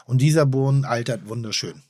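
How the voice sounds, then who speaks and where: A man's voice: mid-range voice, brisk, dark tone, dry recording, clean studio sound. A man co-hosting a casual podcast, rambling and effusive, often trailing off and restarting his sentences.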